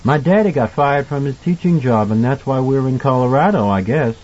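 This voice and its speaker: Audiobook role: small boy, acted by a man. Raised pitch, husky edge, polite, trusting, slightly timid. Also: expressive, normal speed, a little mellow, muffled recording, natural voice. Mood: candid, curious. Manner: polite, candid, tentative. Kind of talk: audiobook character dialogue.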